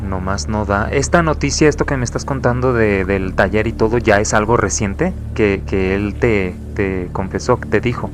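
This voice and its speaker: A man's voice: lowish voice, moderate pace, hardly any pauses, over music. A man hosting an interview, asking brief follow-up questions and giving attentive affirmations. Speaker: interviewer host.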